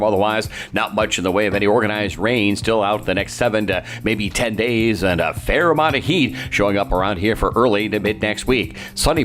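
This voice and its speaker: A man's voice: on the low side, a bit bright. A man delivering a scripted radio weather forecast as a meteorologist, in clipped, telegraphic phrases.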